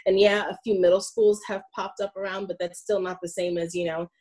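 A woman's voice: medium pitch, level tone, brisk, a little mellow. Woman, late 30s, native French speaker, from Brooklyn, casual interview guest, hesitant, laughs a lot. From Brooklyn, USA. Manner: laughs often, hesitant fillers. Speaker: Air Force sergeant, interview guest.

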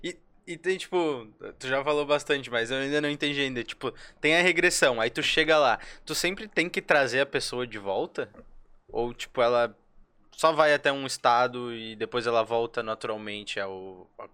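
Bright, clear-voiced podcast host. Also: male voice, mid-range voice, moderate pace. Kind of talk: casual podcast chat.

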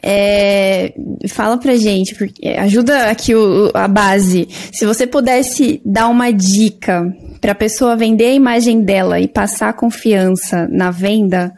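A woman interviewing a guest casually, asking questions and cheering him on with quick encouraging remarks. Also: mid-range voice, fairly even intonation, a little mellow.

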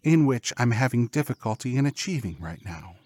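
A man's voice: medium pitch, big pitch swings, brisk, darkish tone, no echo, voice pushed up. A man voicing a proper, exasperated woman schoolteacher in a storybook, with a sarcastic, correcting manner. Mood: relieved, composed.

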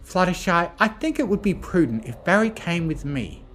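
Narrator as a sensible, higher-pitched lady unicorn. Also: very animated, a bit bright, a little hiss or hum. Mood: firm, wary. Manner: measured, admonishing. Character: sensible, serious, cautious female cartoon unicorn.

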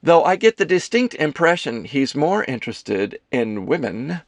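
A man plays a theatrical actress in an audiobook, her voice pitched high and swinging widely. She is bossy and flirtatious, stressing her words as if every line were an exclamation. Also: big pitch swings, a little slow, dry recording. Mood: teasing, bossy. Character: dramatic, gushing woman actress, bossy and flirtatious. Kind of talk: audiobook character dialogue.

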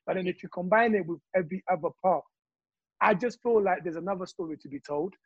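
A man from Congo talking passionately in casual chat, telling his views with animated stories. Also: sits high, quick pace, slightly rough, dry recording, highs cut off.

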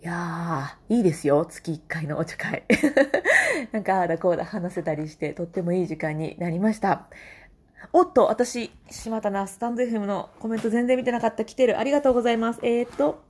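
A woman's voice: fairly high pitch, lively intonation, fast, husky. A woman hosting her own casual talk show, chatting alone, reading listener comments and laughing often. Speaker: podcast host.

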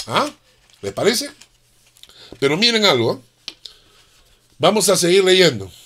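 A middle-aged man preaching with a voice pitched a little above the usual male range. He drives his points home with emphatic stresses and keeps firing rhetorical questions at the congregation. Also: big pitch swings, a little slow, a bit bright. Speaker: pastor. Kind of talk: sermon.

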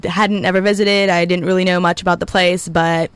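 A woman of about twenty, Egyptian by origin and raised in Abu Dhabi, is a student guest on a radio interview, speaking casually, relaxed and upbeat, with frequent ums. Her voice is lowish and smooth, fairly quick, with no echo.

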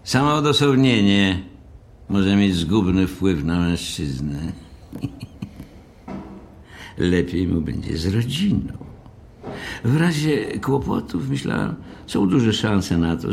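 An actor playing a stiff, condescending hotel manager with formal, measured speech in an audio drama. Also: male voice, sits low, creaky, slight background noise, full character voice. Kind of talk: audiobook radio play acting.

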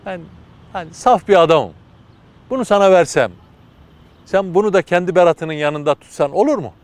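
A man's voice: high voice, expressive, moderate pace, no room sound, voice pushed up. Man voicing a humble naive old weaver. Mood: humble, earnest. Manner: pleading, humble. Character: poor naive pious male weaver.

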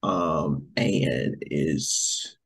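A man's voice: extremely low pitch, extremely slow. A man co-hosting a casual show, sick and losing his voice, rambling and saying "you guys" a lot. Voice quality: gravelly, husky. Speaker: podcast co-host.

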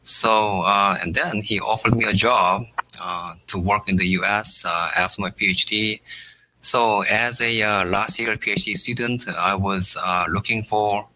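A middle-aged man from South Korea, a native Korean speaker, answering interview questions in halting phrases full of "uh" pauses. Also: fairly low pitch, steady tone, bright, forceful tone, slight background noise, poor audio. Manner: halting, many "uh" fillers between short phrases. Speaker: startup founder, guest.

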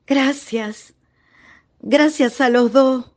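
A tender, proud country ghost woman acted by a woman in a radio play. She has a high voice and speaks very slowly, with sentimental, folksy phrasing and a Chilean accent. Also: darkish tone. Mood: polite, grateful. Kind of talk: radio drama acting.

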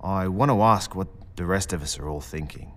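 Anxious civilian, acted by a man, low voice, hesitant, earnest, sci-fi audio drama. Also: moderate pace, lightly acted. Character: anxious male civilian voicing everyone's fear. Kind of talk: science fiction audio drama acting.

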